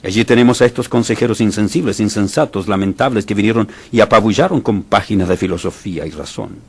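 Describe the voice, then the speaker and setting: Low husky-voiced male preacher. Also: fast talker. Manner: emphatic, with sudden rises in pitch and volume. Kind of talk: sermon.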